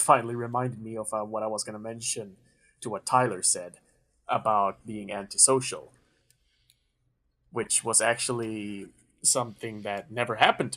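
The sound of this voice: At a moderate pace, a man with an American accent talks in a fairly low pitch with a fairly bright tone. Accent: American-sounding English.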